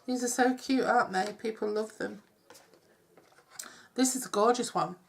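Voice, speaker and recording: A middle-aged woman with a cold, chatting her way through a craft demonstration with soft, self-deprecating asides. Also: fairly high pitch, moderate pace, creaky, slight background noise. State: congested with a cold. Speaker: craft tutorial host. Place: home craft table. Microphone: overhead camera on hands, speaker off-screen.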